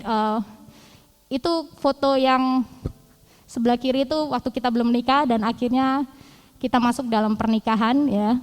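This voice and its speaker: A woman's voice: high-pitched, in a large hall, poor audio. A woman preaching a testimony sermon in a casual storytelling way, acting out the dialogue she recounts. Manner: conversational storytelling, acts out quoted dialogue. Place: church hall.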